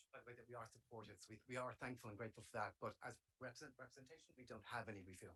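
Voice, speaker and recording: Bright and sharp in tone, a man with an Irish accent talks at a very fast pace, with big swings in loudness. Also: medium pitch for a man, fairly even intonation. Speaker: lawyer and arts association president. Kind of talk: audience question at public meeting.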